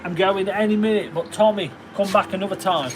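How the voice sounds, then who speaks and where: In his workshop, a stone carver with a Derbyshire accent chats casually on a livestream, thanking viewers and reading their names aloud. His voice is high-pitched and brisk, heard over music in a low-quality recording.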